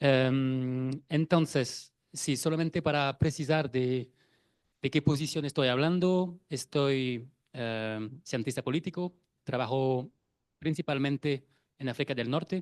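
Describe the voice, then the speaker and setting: In a non-native accent, a man speaks at a very slow pace and a fairly high pitch, with ordinary pitch variation and a dry, close sound with no echo. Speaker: political scientist, panel discussant. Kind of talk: academic panel discussion. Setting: university panel debate. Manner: halting.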